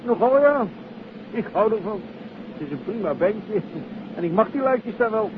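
A man's voice: high voice, animated, normal speed. A man playing a jovial, chatty former army captain and small trader in a genial, colloquial 1950s Dutch radio drama style. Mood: breezy, confiding. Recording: noisy, tinny 1950s radio recording.

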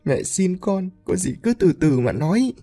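A man voicing an elderly mother who tearfully implores her son-in-law to calm down. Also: high-pitched, normal speed, soft background music, voice pushed up, heavily acted. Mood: imploring.

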